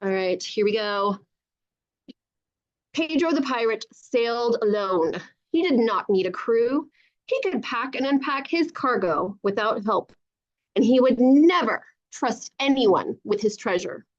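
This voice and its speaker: A woman reading a storybook aloud to children over a video call, with animated narration and encouraging, chatty asides, in dull lo-fi sound. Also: on the high side, measured pace. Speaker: children's author reading own book aloud.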